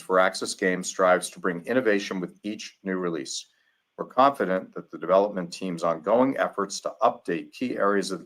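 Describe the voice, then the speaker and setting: Male executive for a quarterly earnings call, low register, formal measured read of prepared corporate remarks. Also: fairly bright tone. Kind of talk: scripted corporate earnings presentation.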